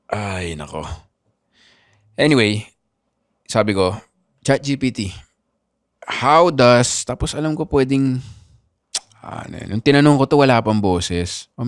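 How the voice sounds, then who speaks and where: A man hosting a podcast, telling stories in animated casual chat with constant tag questions. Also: lowish voice, no echo, clean studio sound. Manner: animated storytelling with frequent "di ba" asides. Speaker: podcast host.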